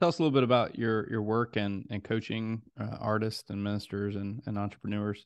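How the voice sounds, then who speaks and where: Over a quiet background, a man speaks in a plain, everyday voice at a fairly low pitch. He keeps a fairly quick pace with hardly any pauses and fairly even intonation. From US East Coast, Bible Belt. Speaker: podcast host. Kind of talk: interview.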